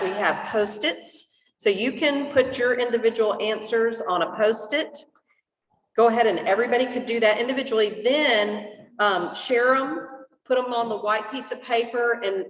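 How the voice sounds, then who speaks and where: A woman leading a club meeting, giving clear, organized instructions for a group exercise. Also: mid-range voice, fairly bright tone. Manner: organized, directive. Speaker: meeting facilitator. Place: meeting hall. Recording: echoey hall, mic held at a distance.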